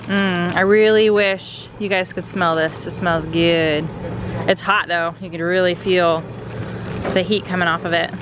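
A woman's voice: fairly low pitch, fairly even intonation, a little slow, noisy background. Chatty woman vlogging outdoors. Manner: chatty, addresses viewers as "you guys". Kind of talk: casual cooking vlog narration. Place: outdoor deck by a lake.

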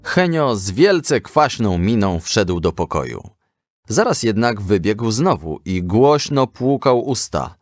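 A man narrating a scripted children's story as an expressive, didactic storyteller. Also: on the low side, takes it slowly, no echo, soft background music.

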